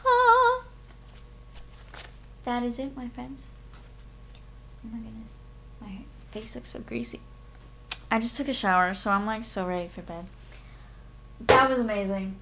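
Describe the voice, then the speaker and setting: Slow-paced woman, expressive live-stream host. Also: fairly high pitch, slight background noise. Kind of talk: expressive audiobook-style reading and casual stream chat.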